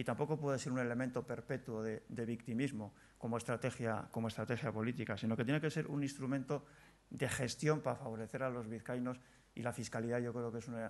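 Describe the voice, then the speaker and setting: At a very fast pace, a man talks with fairly even intonation. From Basque Country (Biscay). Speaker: politician, provincial government candidate. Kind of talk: campaign speech at a forum. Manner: hesitant, frequent fillers and repetitions. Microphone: podium.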